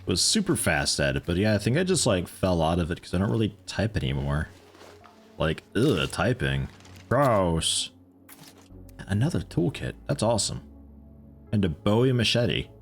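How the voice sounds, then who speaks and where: A man's voice: deep voice, very animated, moderate pace, soft background music. A man in his thirties giving rambling, casual commentary while livestreaming a game, swearing now and then. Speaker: gaming livestreamer.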